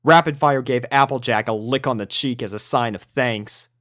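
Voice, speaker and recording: A man narrating a fan-written pony story in a steady storybook manner. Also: mid-range voice, normal speed, no echo, clean studio sound. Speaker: fanfic reader.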